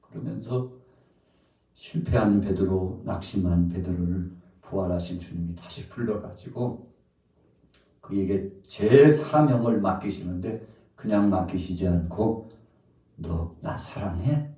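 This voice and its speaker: A man's voice: deep voice, a little slow, dark tone, muffled recording. A man preaching a sermon as pastor in a church, fervent, acting out Jesus' words to Peter with rising emphasis. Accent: Korean. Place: church sanctuary. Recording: echoey distant church recording.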